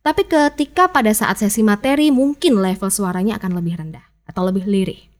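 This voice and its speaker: A woman's voice: mid-range voice, a little fast. A woman teaching public speaking in a chatty, upbeat podcast lesson, acting out example phrases.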